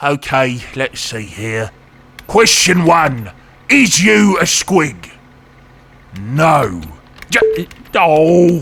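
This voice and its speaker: A man's put-on character voice, fairly high in pitch, at a very slow pace with long, frequent pauses. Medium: machinima. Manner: hesitant, naive.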